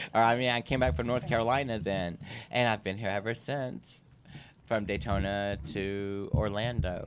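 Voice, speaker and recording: A man speaks over noticeable background noise. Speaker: podcast and radio host. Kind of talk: casual chat. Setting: outdoors in a park.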